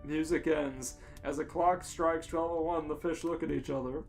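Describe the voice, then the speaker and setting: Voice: mid-range voice, steady tone, normal speed, faint music behind. A podcast co-host reading a comic story aloud in an amused, giggly manner.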